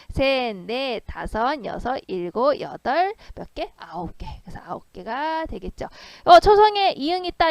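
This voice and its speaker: Bright-voiced woman teaching a grammar lesson. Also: sits high, clean tone, no echo. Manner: lively, asks and answers her own questions. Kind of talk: grammar lesson explaining exercises.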